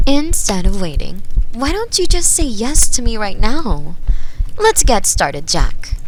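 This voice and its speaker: A woman voicing a mysterious, manipulative seer who speaks softly and persuasively, slipping into whispers, in an ASMR bedtime story. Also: medium pitch, a little hiss or hum, low-quality recording. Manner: soft, persuasive, drifts into whispers. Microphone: binaural mic.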